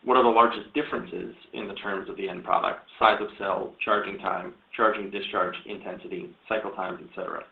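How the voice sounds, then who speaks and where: A man's voice: fairly low pitch, steady tone, fairly quick, gravelly, hardly any pauses. A man moderating an earnings call, reading out submitted questions and handing over. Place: conference call. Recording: thin phone-like line, roomy echo.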